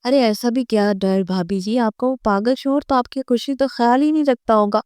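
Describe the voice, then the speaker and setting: A woman's voice: fairly high pitch, darkish tone, smooth, no echo, clean studio sound, close to an everyday voice. A woman reading as a sleazy young man. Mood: leering. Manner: oily, taunting. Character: leering 25-year-old man, sleazy brother-in-law. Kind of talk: storybook reading.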